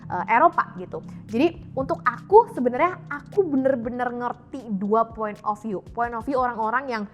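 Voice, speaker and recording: A woman's voice: a little high, lively intonation, normal speed. Young woman chatting frankly over music. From Indonesia, mixed European and Indonesian family. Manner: frank, chatty, code-mixing English phrases. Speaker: YouTube health and fitness vlogger. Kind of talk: candid casual vlog talk to viewers.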